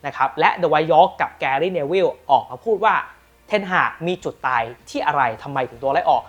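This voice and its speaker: A man hosting a football news channel, telling the latest transfer stories with lively emphasis and then pitching rare team shirts. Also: brisk, breathy edge, highs cut off, soft background music. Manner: lively, emphatic storytelling with frequent polite particles. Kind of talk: energetic football news commentary and product pitch.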